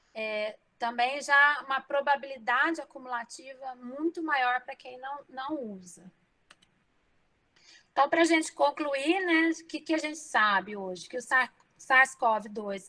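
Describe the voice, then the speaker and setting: A woman's raised, projected voice, high-pitched and bright and sharp in tone, at a fairly slow pace, with ordinary pitch variation and big swings in loudness. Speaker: doctor giving a lecture. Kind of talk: lecture. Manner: halting, many fillers.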